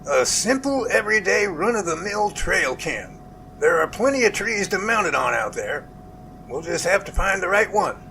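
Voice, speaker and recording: A man playing a jovial, earnest research professor in an amateur audio drama, with animated, folksy phone talk. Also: high-pitched, normal speed, slight background noise, exaggerated voice. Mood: concerned, intrigued.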